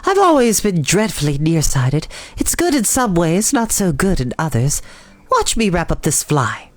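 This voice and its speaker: A woman's voice: lowish voice, very animated, moderate pace, no echo. A woman voicing a small female storybook spider, pleasant, proud and matter-of-fact, with a thin, light voice. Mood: self-assured. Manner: pleasant, precise, self-assured.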